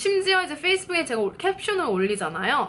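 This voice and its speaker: Very wide pitch swings from a woman, over noticeable background noise. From South Korea. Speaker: vlogger. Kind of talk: casual storytelling vlog.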